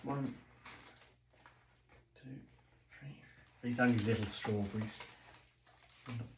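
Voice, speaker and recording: A man's voice: mid-range voice, steady tone, slow pace, roomy sound, noisy background. A man chatting to his dog and his viewers while he prepares food in his home kitchen. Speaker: vlogger. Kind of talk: casual running commentary while doing kitchen chores. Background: dishes and kitchen clatter, a fridge gurgling.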